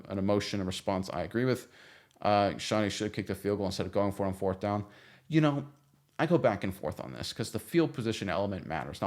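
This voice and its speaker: A male sports host talks through viewer comments in a loose, conversational way. His voice sits a little low, and he often restarts his sentences and drops in fillers as he thinks aloud. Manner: chatty, frequent restarts and fillers, animated when retelling.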